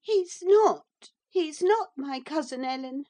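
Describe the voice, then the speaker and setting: A woman's voice: big pitch swings, a little slow, mellow. A woman reading an audiobook and voicing a spoiled, imperious young girl who is demanding and easily brought to tears. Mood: distressed. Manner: shrill, demanding, indignant.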